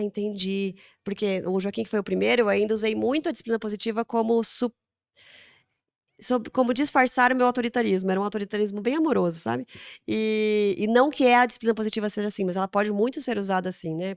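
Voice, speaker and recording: Fast-talking Brazilian woman, dry sound. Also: medium pitch, vocal fry, dry recording. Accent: Brazilian Portuguese. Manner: animated, acts out dialogues with her children. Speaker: guest on parenting podcast. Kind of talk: casual conversational answer.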